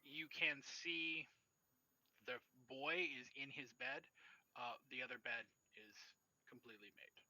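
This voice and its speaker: A man narrating a tabletop role-playing game as game master, explaining scenes and rules in a halting way. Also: mid-range voice, bright, forceful tone, no echo, rough recording.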